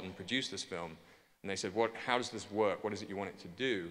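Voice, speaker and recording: A man with an English accent at a very fast pace. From England. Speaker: forest industry advocate; conference speaker. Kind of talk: conference keynote. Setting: stage with audience. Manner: humorous, animated. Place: hall. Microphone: podium.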